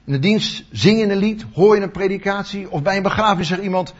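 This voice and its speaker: A man's voice: high-pitched, fast talker. A man in his sixties, a retired teacher, giving a devotional sermon. He tells stories and acts out his own inner thoughts. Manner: storytelling, acting out inner thoughts. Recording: dull lo-fi recording.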